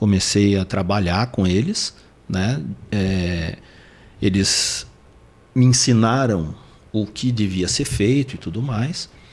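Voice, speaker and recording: The man speaks at a very slow pace, somewhat breathy. His pitch swings very widely. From southern Brazil, Porto Alegre (Rio Grande do Sul). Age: 60s. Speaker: near-death experience survivor, spiritual guide. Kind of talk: interview testimony. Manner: halting, with fillers.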